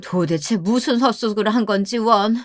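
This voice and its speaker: A woman's voice: mid-range voice, moderate pace, no echo, clean studio sound, natural voice. A woman voicing a nagging older mother-in-law who dotes on her son and scolds her daughter-in-law. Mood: whining. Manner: scolding, whiny and self-pitying.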